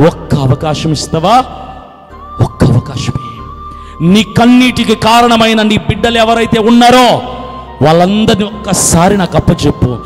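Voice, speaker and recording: The vengeful sky, as a preacher voices it. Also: male voice, very high voice, in a large hall. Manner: impassioned pleading, shouted threats. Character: the sky, vast and vengeful, pleading to flood.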